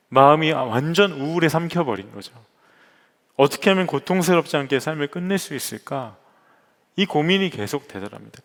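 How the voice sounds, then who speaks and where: Man, young pastor, earnest storytelling sermon, slightly high voice, long church reverb. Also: fairly bright tone. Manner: storytelling, earnest, addresses the congregation directly. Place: church sanctuary.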